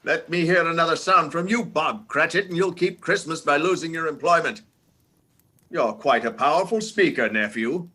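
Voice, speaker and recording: An actor playing a miserly, scornful old uncle in a radio play, with a curt, grumbling delivery. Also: male voice, a little high, normal speed, bright, forceful tone, husky. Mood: curt, dismissive.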